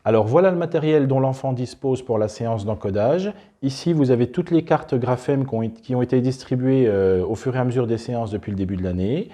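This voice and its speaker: A man demonstrating classroom reading materials, explaining step by step in a relaxed, unscripted way with small restarts. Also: mid-range voice, brisk, hardly any pauses. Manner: unscripted, restarts, talks while handling materials. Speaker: presenter demonstrating a teaching method.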